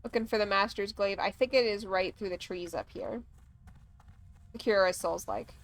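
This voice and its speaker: A woman's voice: mid-range voice, normal speed. A woman chatting casually on a gaming livestream, rambling along with plenty of "like" and "um". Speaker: streamer.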